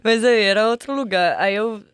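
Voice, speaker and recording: Woman, smooth voice, chatty. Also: medium pitch, normal speed, no room sound. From Italy. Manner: chatty, searches for words with many restarts. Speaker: guest singer. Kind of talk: casual interview chat. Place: music studio.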